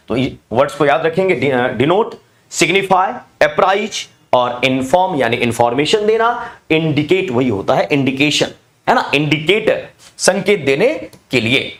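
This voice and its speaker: Male tutor, animated and fairly high voice, reads words slowly and spells them out. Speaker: English teacher. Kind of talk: exam-prep lesson.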